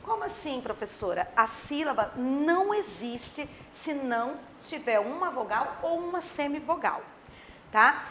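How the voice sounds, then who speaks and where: A woman teacher explains a grammar lesson to children in a high, animated voice. She voices her pupils' questions herself. Faint background noise sits under a slightly distant mic at times. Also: a little slow. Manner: plays imagined pupils' questions.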